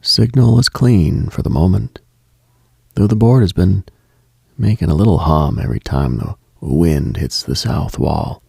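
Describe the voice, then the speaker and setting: A man hosting a late-night radio show, speaking a slow reflective monologue in a hushed, half-whispered delivery. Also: deep voice, expressive, creaky, husky, no echo, studio quality.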